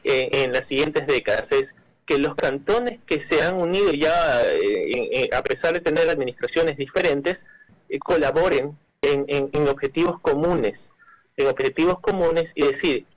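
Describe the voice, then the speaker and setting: Hesitant, higher-voiced Ecuadorian man. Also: rough recording. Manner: hesitant, repeats words and restarts often with many "eh" fillers. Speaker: cultural manager, interview guest. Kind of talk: explanatory interview answers.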